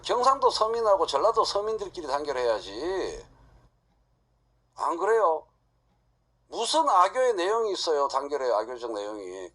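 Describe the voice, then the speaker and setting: Husky, animated man lecturing. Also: a little high. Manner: blunt, rhetorical questions, animated. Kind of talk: spoken lecture to an audience.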